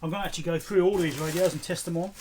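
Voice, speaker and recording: Racing along in a fairly high, steady voice, this middle-aged electronics repair channel host muses casually to himself while going through items like a vlogger. The background is noisy.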